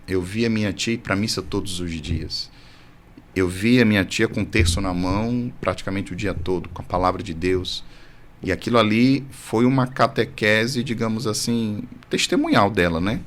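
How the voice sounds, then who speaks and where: A lower-voiced man, a priest speaking as a podcast guest, tells his story earnestly and with a little humor. He talks into a studio mic, and a faint noise sits behind him. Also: moderate pace. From Brazil, born in Salvador. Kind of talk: testimony in casual conversation.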